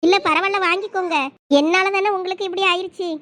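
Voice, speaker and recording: A performer voicing a determined young village woman in a very high, quick cartoon voice with a Thoothukudi Tamil accent. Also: flat delivery, bright, forceful tone, no room sound. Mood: earnest.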